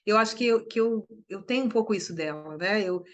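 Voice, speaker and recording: A woman's voice: mid-range voice, fairly quick, lo-fi sound. Emphatic Brazilian woman writer, chatting. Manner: animated and emphatic, with many restarts and tag questions. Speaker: writer and journalist, interview guest. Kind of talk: conversational interview.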